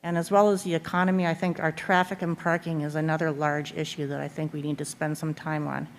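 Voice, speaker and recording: A middle-aged woman giving a measured, halting closing statement as a candidate at a public forum. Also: sits low, level tone, a little hiss or hum. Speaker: candidate for town board. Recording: echoey hall with long reverb.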